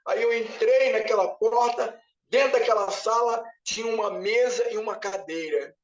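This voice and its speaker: A man's voice: high-pitched, moderate pace. A man, a pastor, giving an emotional testimony in church, weeping and pleading as he retells a vision. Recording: echoey room picked up from a distance, muffled.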